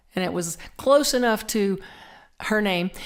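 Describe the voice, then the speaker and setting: This woman has a Southern US accent and a medium pitch. Her intonation is lively. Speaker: minister. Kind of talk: sermon. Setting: pre-recorded online service.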